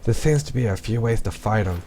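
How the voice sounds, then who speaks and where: Low-voiced man rambling over gameplay. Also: lively intonation, fairly quick, dark tone, a little hiss or hum. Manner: rambling, frequent ums and restarts. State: losing his voice. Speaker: gameplay commentator. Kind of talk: casual let's-play commentary.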